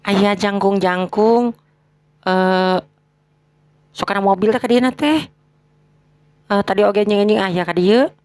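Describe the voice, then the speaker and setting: She is a chatty village shopkeeper in her middle years, acted out for an audio story, with a Sundanese accent. Her voice sits at an ordinary female pitch and prods with curious questions, recorded very dry. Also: slow, pauses often, darkish tone, no room sound, close to an everyday voice. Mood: curious, gossipy.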